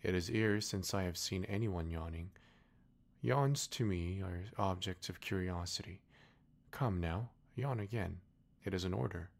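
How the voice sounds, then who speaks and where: A man playing a pompous old storybook king, speaking slow, deep and grand with a gravelly rumble. Every line lands as a royal command, softened by a kindly streak. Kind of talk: audiobook character voice.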